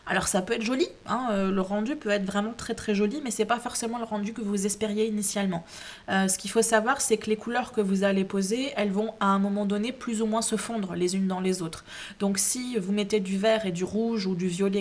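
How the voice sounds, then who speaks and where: A woman hosting a casual craft tutorial at home, chatty, with many hesitations and restarts. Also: medium pitch. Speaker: craft video host.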